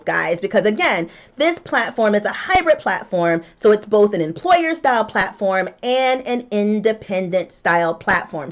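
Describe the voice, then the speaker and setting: Slow, upbeat woman talking to her viewers. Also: a little high. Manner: upbeat, emphatic, addresses viewers as guys. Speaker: notary signing agent and YouTuber. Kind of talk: enthusiastic explainer vlog.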